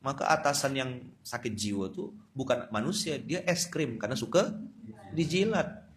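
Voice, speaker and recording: A man preaching a lively sermon to a live audience, swinging between loud exclamations and soft asides and joking with the crowd. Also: medium pitch, normal speed. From Indonesia. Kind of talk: lively sermon at a dawn study gathering.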